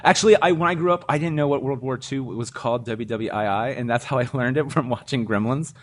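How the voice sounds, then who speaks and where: A man's voice: mid-range voice, fast talker, slight background noise. A man hosting a live podcast panel, chatting casually about a film and acting out its scenes. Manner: rambling, acts out scenes in voices. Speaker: podcast host. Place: live theater stage.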